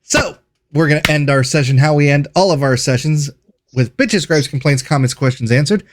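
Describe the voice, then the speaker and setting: A man's voice: a little high, normal speed. A man narrating as game master of a tabletop game, describing scenes in a loose, self-correcting way.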